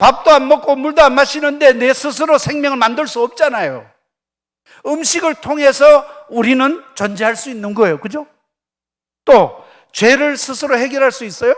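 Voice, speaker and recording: In a slight Chungcheong accent, a man talks at a moderate pace with an extremely high pitch, ordinary pitch variation and big swings in loudness. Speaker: revival preacher. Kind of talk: sermon.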